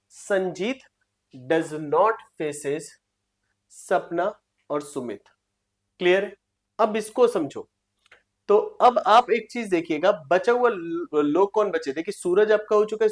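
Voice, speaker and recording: A woman teaching a seating-arrangement reasoning lesson online, reading problem lines slowly and checking in with her students. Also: medium pitch. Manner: reads problem lines slowly and repeats them, checks with "clear?". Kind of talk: online exam-prep lesson.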